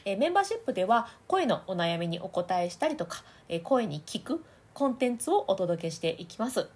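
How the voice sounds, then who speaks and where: Her mid-range voice sing-song and a touch breathy, a woman talks a little fast on her casual podcast. As a voice trainer, she laughs frequently and tries out different voice placements while describing them.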